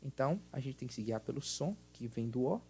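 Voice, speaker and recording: Gravelly Brazilian man teaching English. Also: medium pitch, lively intonation, darkish tone, a little hiss or hum. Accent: Brazilian Portuguese. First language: Portuguese. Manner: patient, repeats words slowly to model pronunciation. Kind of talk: recorded online English lesson explaining grammar exercises.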